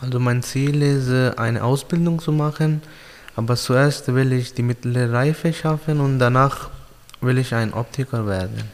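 A young adult man from Pakistan, a native Urdu speaker, answers interview questions in simple, halting learner's German with many pauses. His voice is medium-pitched, followed by a long reverb tail.

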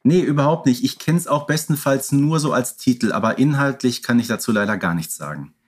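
Male co-host, husky edge, medium pitch, casual and explanatory conversational delivery. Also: fairly quick. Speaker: podcast co-host. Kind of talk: casual podcast conversation about audio dramas.

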